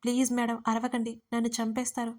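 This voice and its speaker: A woman voicing a frightened, tearful young servant woman who pleads in a hushed, urgent way in an audio story. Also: fairly high pitch, flat delivery, a little fast, close to an everyday voice. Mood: pleading.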